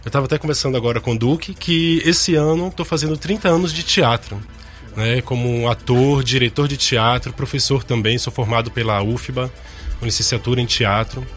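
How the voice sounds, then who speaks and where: Middle-aged theatre director. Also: male voice, mid-range voice, brisk, soft background music. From Bahia, Brazil. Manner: relaxed, warm storytelling with frequent "né?". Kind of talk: interview guest.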